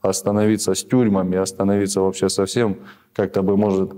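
Hesitant low-voiced man, rambling. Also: level tone, brisk, warm tone. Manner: hesitant, rambling, many restarts and fillers. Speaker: prisoner of war being interviewed. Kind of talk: halting conversational answers. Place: small office indoors.

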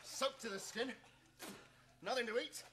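An actor playing an exasperated, bossy young doctor who orders others about in a sitcom. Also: male voice, extremely high pitch, a little slow, sharp tone, heavily acted. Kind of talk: 1970s television sitcom acting. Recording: very noisy old TV recording.

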